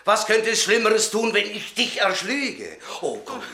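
An actor playing a huge Christian convert with a fierce temper, speaking in solemn, preacherly fervour in a German radio drama. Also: male voice, high voice, very animated, a crowd in the background, heavily acted. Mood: zealous, menacing fervour. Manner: fervent, solemn, preacherly, deliberate.

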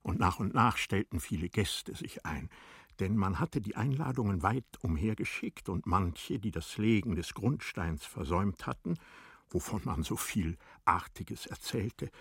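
A man narrating a literary radio play in a measured, expressive storytelling manner. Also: deep voice, gravelly, breathy edge, dry recording, clean studio sound.

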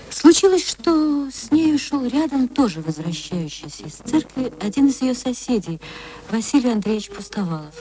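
A woman narrating an old radio play with an emotional manner and sweeping pitch swings. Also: mellow, rough recording.

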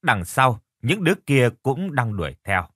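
A man narrating a horror audio story in a steady storytelling manner, acting out the characters' lines. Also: medium pitch, unhurried, slightly rough, no room sound, clean studio sound.

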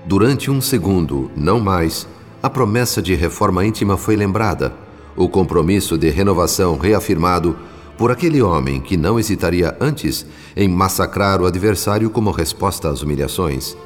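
A Brazilian man delivers scripted, dramatic narration for a radio soap opera. His voice is deep and carries a long reverb. Music plays underneath. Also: lively intonation, normal speed.

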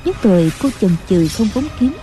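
A woman narrating a martial-arts novel as an audiobook in a steady storytelling voice. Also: mid-range voice, normal speed. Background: faint music.

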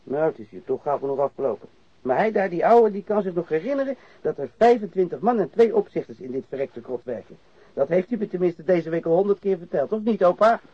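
Husky, high-voiced insolent working man. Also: animated, fast, no echo. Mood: scornful, impatient. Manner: blunt, coarse, challenging. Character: gruff, insolent working man, mocking and impatient. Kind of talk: radio drama acting. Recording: muffled lo-fi radio drama recording.

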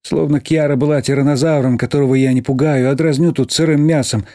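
A man narrating an audiobook in a steady storytelling manner. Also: mid-range voice, fast, no room sound, clean studio sound. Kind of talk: scripted narration.

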